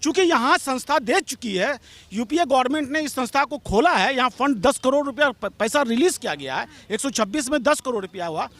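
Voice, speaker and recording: A man's voice: extremely high pitch, expressive, brisk, a bit bright. A man giving an impassioned, argumentative street interview, pressing his demands and repeatedly calling the interviewer madam. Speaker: local political supporter interviewed.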